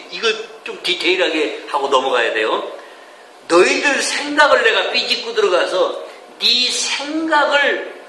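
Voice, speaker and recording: A man's voice: high-pitched, sharp tone, slight background noise. A man giving a sermon-style lecture to a congregation, folksy and emphatic, often asking the audience questions. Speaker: preacher teaching a course. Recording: echoey room with faint ambience.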